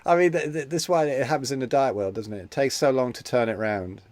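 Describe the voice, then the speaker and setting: A man's voice: mid-range voice, fast, darkish tone, dry recording. A man hosting a casual conversation, rambling and often repeating words as he starts his thoughts. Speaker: host. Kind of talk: casual video-call chat.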